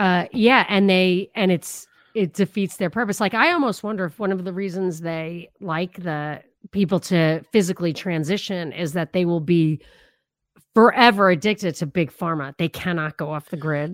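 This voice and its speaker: Speaking with an unremarkable speaking voice, a woman uses a fairly low pitch with ordinary variation at a moderate pace, recorded dry and close with no echo. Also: very clean recording, silent background. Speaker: political news commentator. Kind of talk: casual chat.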